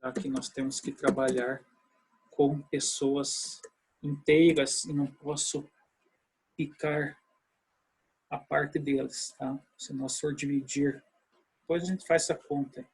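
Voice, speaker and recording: Husky-voiced man teaching a law class. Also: mid-range voice, level tone, takes it slowly, long pauses, a little mellow, poor audio. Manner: explanatory, with many tag questions to students. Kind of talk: online video lecture.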